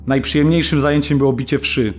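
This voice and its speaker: An actor playing a weary, often-jailed political prisoner, giving a measured, descriptive monologue in a radio documentary drama. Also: male voice, mid-range voice, fairly even intonation, soft background music, lightly acted. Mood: sombre, weary.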